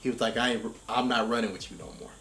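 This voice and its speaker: An American man in casual discussion, thinking aloud in a halting, emphatic way and often repeating himself. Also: medium pitch, gravelly, fairly bright tone, a little hiss or hum. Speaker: reaction show host. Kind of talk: casual chat, video game story discussion. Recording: roomy, echoing space.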